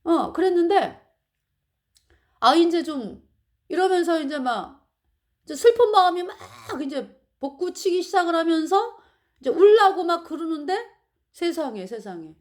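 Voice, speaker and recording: A woman's voice: very high-pitched, animated, measured pace, pauses often. A middle-aged woman telling a personal church testimony with emotion and laughter. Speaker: church member giving testimony.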